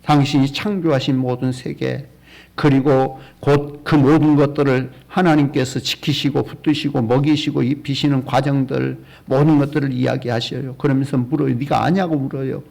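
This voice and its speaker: A man's voice: mid-range voice, steady tone, moderate pace, vocal fry, darkish tone. A man preaching a sermon as a pastor in a church, earnest and full of rhetorical questions.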